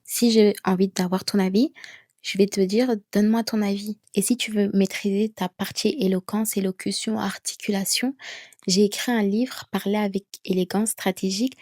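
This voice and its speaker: A woman speaks to her camera in a measured, unhurried way, letting pauses sit between short sentences. Her pitch sits in a middle range. The sound is dry and close, with no room around it. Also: fairly even intonation, a little mellow, no room sound. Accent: an accent of her own that people ask about. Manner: slow, deliberate, with chosen pauses. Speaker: vlogger giving speaking tips. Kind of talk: casual talking-head advice. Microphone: camera mic, speaking to camera.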